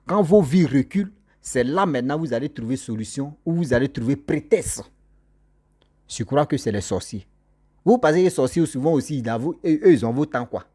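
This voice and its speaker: His mid-range voice carries a darkish tone and a breathy edge. He's a social commentator berating viewers to camera, circling back to his arguments as he addresses them head-on.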